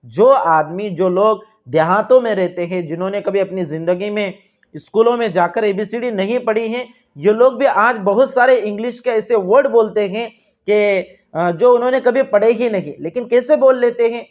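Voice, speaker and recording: A man with a Pakistani Urdu accent giving earnest, repetitive religious instruction and addressing viewers as dear friends. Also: sits high. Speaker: religious teacher. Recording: dull lo-fi sound.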